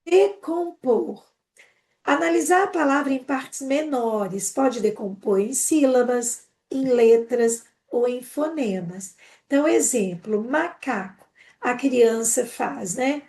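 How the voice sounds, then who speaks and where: Brazilian woman, teacher trainer on a live stream, brisk and animated, slightly high. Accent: Brazilian Portuguese. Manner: quick, animated explaining with frequent "né?" tags.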